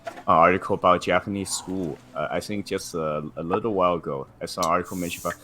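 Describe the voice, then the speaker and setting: Man, low voice, casual podcast chat, halting, hesitant. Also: steady tone, bright, forceful tone, a little hiss or hum. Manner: halting, many fillers and restarts.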